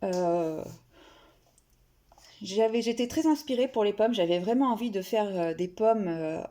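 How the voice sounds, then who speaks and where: A woman's voice: mid-range voice, expressive, measured pace, mellow. A woman vlogger casually showing her finished coloring pages, hesitant, with many fillers and restarts. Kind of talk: casual show-and-tell.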